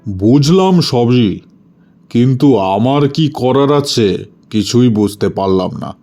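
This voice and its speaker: A man's voice: medium pitch, animated, slow, warm tone. A man storyteller giving a dramatic first-person narration of a horror story. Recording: music bed under the voice.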